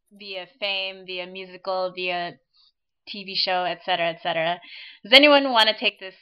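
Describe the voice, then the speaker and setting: A woman's voice: medium pitch, clean tone, lo-fi sound. A woman hosting a casual online fan chat, rambling and laughing often as she talks. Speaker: podcast host.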